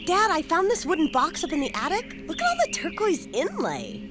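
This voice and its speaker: High-voiced, headstrong young daughter. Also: female voice, brisk, music in the background, exaggerated voice. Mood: earnest, eager. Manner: expressive, pointed. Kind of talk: audio drama acting.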